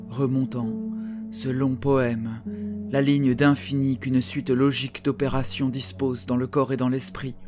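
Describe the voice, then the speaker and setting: A man reading his own literary poem aloud in a solemn, deliberate manner, with frequent pauses between phrases. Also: medium pitch. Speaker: poet reading own work. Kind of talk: literary poetry reading, recited. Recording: music under the voice. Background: music.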